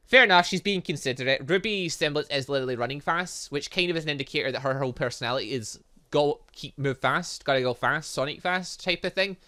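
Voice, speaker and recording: A man's voice: fairly high pitch, quick pace, bright, forceful tone. A man doing chatty, rambling let's play commentary as a gaming host, breaking into playful sing-song interjections. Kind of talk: let's play commentary, reading game dialogue aloud.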